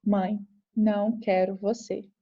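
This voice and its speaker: A woman's voice: mid-range voice, little pitch movement, takes it slowly, warm tone, slightly rough, highs cut off. A woman reading the lines of an angry mother speaking in short, firm statements.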